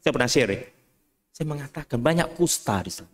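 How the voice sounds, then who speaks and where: A Catholic priest preaching a sermon in a cathedral, telling lively stories with humorous asides and often calling out to the congregation. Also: male voice, medium pitch, a little fast. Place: cathedral church.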